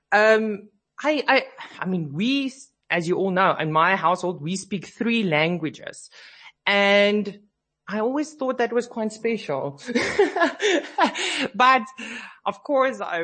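With a mid-range, fairly bright voice, a South African woman hosts a radio show from the studio. She chats casually, sounds a bit sleepy and a little scratchy from a cold, and laughs easily.

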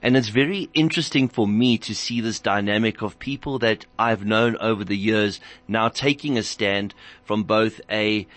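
A man hosting a radio talk show, asking measured, structured questions in a studio. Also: lowish voice, fairly bright tone.

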